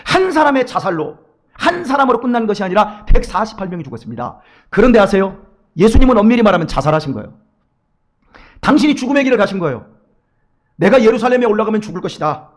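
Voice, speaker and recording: A male pastor preaching a sermon in a church, acting out quoted voices and swinging between loud urging and hushed asides. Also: sits high, sing-song, fast talker. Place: church sanctuary.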